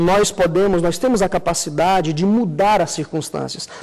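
A man talks in a high pitch with ordinary pitch variation. The background is quiet. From Minas Gerais, Brazil (Nanuque, Uberlândia); Minas Gerais, Brazil. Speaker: writer and theologian; guest. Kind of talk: interview. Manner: halting, repeats words. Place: studio. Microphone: lapel.

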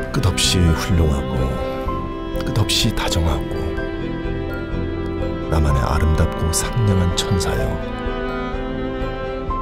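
A man speaks at a very slow pace over loud music in the background. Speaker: actor. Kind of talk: reading of a letter. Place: booth.

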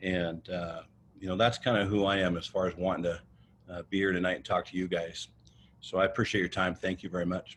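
Very deep, low pitch from a man with an American accent, monotone, flat intonation, and a fairly quick pace. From Oregon, US Pacific Northwest. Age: 60s. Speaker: council applicant, retired coach. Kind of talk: interview for appointment. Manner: halting, many fillers.

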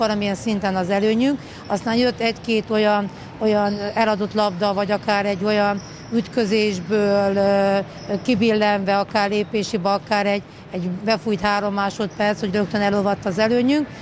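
A woman speaks at a moderate pace with fairly even intonation and very even loudness. The sound is dry with no echo, over light background noise. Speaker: basketball coach. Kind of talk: interview. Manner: halting. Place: hall. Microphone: handheld.

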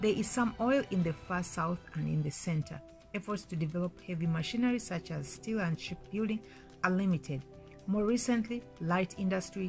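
Faint music plays in the background. A woman talks at a moderate pace over it. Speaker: educational vlogger. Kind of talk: informational talk, partly read. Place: home room. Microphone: phone near.

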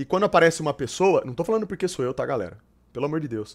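A man's lively intonation carries clearly over a quiet background. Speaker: streamer. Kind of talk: casual live stream chat. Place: home room. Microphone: headset.

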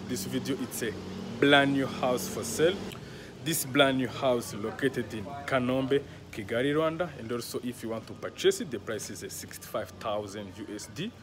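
Speech at a moderate pace, with faint music in the background. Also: man. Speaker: house sale vlogger. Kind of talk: casual vlog chat. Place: street. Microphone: phone near.

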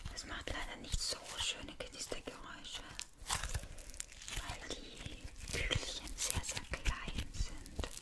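Long, frequent pauses break up a woman's speech. She whispers at a very slow pace. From Austria. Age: 20s. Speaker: ASMR creator. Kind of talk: ASMR trigger video for sleep. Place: home room. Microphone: studio mic.

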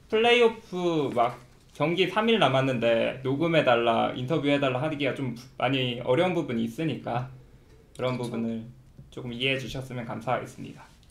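There is audible room echo as a man speaks. His pace is moderate and his pitch variation is ordinary. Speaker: video producer. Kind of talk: casual chat. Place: meeting room.

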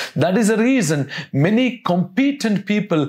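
Lively intonation from a man at a fairly slow pace against a quiet background. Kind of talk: motivational address. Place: office. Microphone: lapel.

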